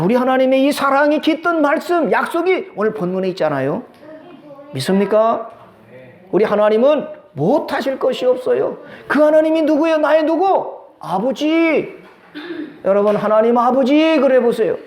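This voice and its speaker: Man, pastor, middle-aged, high pitch, call-and-response preaching, roomy church sound. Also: sing-song, normal speed. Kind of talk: sermon.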